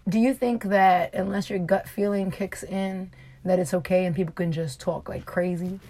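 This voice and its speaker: A woman's voice: medium pitch, steady tone, moderate pace, mellow. A woman co-hosting a casual, candid conversation, who explains things patiently and laughs easily. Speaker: podcast co-host. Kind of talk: frank casual chat.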